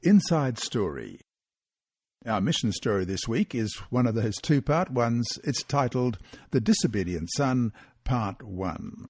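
A man reads a weekly Bible study lesson aloud in a measured, expressive way. His voice is mellow and slightly husky, with lively rises and falls in pitch, recorded dry and close. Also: no echo.

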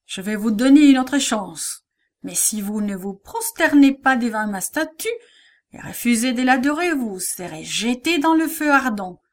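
A furious, proud storybook king bellows his commands, as a woman reads him out. The voice sits a little high and the delivery is unhurried and heavy. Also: expressive. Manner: loud and commanding. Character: furious proud male king, roaring orders. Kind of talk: storybook reading.

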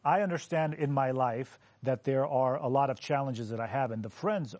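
A man on a Bible discussion panel, speaking thoughtfully and reading scripture aloud at a measured pace. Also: medium pitch, a little mellow, no room sound.

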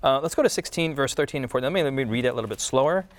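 A man's voice: medium pitch, racing. Musing man hosting a Bible discussion. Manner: musing, rephrasing often, animated asides. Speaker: discussion host. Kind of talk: casual Bible study discussion.

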